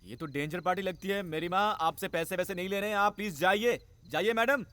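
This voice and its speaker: Blustering young hotel owner. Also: male voice, high-pitched, a little fast. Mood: angry. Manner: exasperated scolding, shouting orders. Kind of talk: Hindi film dub acting. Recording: film dub with music behind.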